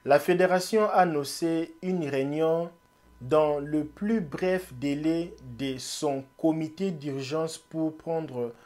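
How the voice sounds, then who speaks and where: Slow, halting man recapping the news. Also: on the high side. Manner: halting, many fillers and restarts. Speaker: news commentator. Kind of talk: casual news commentary.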